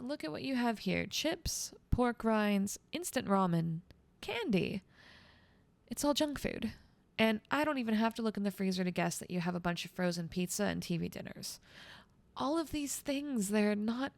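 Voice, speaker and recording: A woman acts out a guardian angel girl in an ASMR roleplay. Her voice is fairly high and sounds very dry, with no room around it. She dotes on the listener like a mother, coaxing and mildly scolding. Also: gravelly, no room sound.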